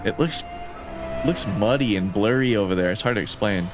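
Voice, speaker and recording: A man doing casual live-stream commentary on game footage, reacting excitedly with bro-ish slang and swearing, like a frat bro. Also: fairly low pitch, moderate pace, over music. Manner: animated reactions with frequent laughing and swearing.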